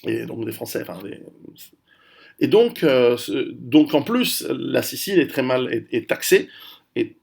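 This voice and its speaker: Male video host, gravelly and creaky, mid pitch, casual rambling history talk with frequent restarts. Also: expressive, a little slow, a little mellow. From Italian heritage. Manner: rambling, many restarts and fillers.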